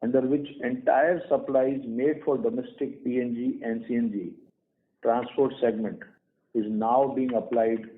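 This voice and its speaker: A man's voice: mid-range voice, a little hiss or hum. Indian-accented male executive on a tinny phone line. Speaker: company executive. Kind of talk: prepared earnings call presentation. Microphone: phone or conference call line. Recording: tinny phone-line conference call audio.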